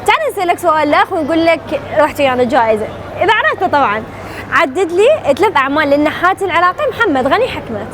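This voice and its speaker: A woman's voice: high-pitched, sing-song, very fast. A woman with an Iraqi accent hosting a street quiz in a chatty, teasing, playful way. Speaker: street quiz show host. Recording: noisy busy public place, street and crowd sound.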